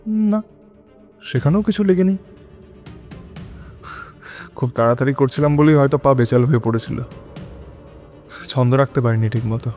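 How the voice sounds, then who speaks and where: An actor playing an anxious, hesitant widower in an audio drama, speaking dramatically in halting short phrases. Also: male voice, medium pitch, a little mellow, lightly acted. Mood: uneasy, startled, then shaken relief. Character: anxious, hesitant widowed lover narrating his own unease. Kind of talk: Bengali audio drama narration and dialogue. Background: dramatic music.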